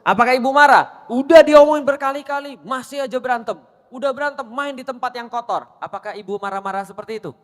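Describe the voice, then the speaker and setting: High-voiced male preacher in an echoey hall. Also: sharp tone. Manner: quizzes the audience with rapid questions. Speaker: Islamic preacher. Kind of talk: sermon to a women's gathering.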